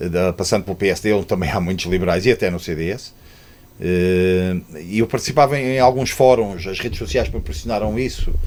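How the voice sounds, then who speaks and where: The man speaks with lively intonation. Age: 60s. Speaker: politician. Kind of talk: interview. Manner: halting.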